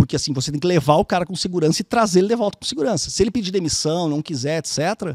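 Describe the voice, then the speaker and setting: A man's high, very fast voice with lively intonation and hardly any pauses, dry and close with no echo, on a very clean recording against a silent background. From southern Brazil (Rio Grande do Sul). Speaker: expatriation consultant. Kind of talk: podcast interview. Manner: casual, animated.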